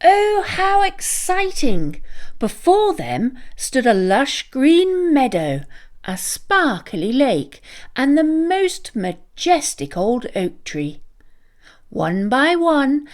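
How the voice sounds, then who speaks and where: A woman reading a children's story aloud as an expressive, deliberate, sing-song narrator. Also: on the high side. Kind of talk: animated scripted read-aloud narration for children.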